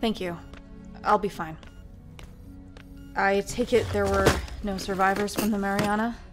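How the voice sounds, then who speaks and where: An actress plays a shaken spaceship captain burdened with guilt. Her voice is of average pitch, in audio-drama style with clear music. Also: steady tone, unhurried, close to an everyday voice. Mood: distressed. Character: dazed, guilt-stricken female spaceship captain.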